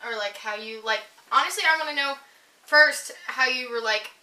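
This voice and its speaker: Chatty and giggly, a female host keeps a casual conversation going with plenty of fillers. Her voice is high, bright and forceful, and she talks at an ordinary pace. The sound is roomy, picked up by a distant mic.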